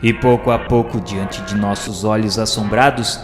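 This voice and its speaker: In a radio drama, a man voices an earnest pupil narrating his journey through a spirit underworld in a formal, solemn, literary style, sounding awed. His voice is fairly low, steady, moderately paced and close to everyday speech, heard in an echoey space with long reverb and music underneath.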